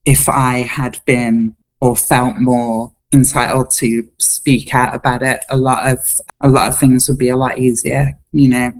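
A woman's voice: rumbling low, poor audio. A woman speaking as an interview guest, reflecting in an earnest, thoughtful way. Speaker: interview guest, comedy performer.

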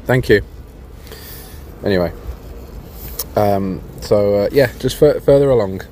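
Halting man with a low, dark voice. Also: a little hiss or hum. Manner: halting and self-conscious. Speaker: contributor sending a voice note. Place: public place with people about.

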